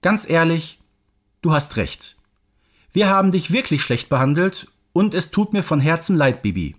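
Storybook schoolgirl male reader, envious yet apologetic, halting, higher register, animated. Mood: remorseful. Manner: hesitant.

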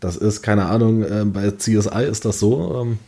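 A man's voice: fairly low pitch, fairly even intonation, moderate pace, gravelly, mellow. A man talking casually in a group discussion. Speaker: book podcast panelist.

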